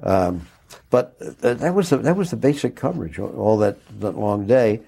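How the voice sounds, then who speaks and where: An older man recalling a day he covered on air, speaking haltingly with many restarts and a moved, choked-up tone. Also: fairly low pitch, sing-song, gravelly, warm tone, husky. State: moved, choking up. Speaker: interviewee recalling a broadcast. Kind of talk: reflective interview recollection.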